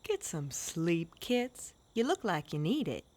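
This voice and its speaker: A woman's voice: fairly low pitch, big pitch swings, takes it slowly, very noisy. An actress playing a tired, dismissive working village woman in an audio drama, folksy and skeptical. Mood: weary disbelief.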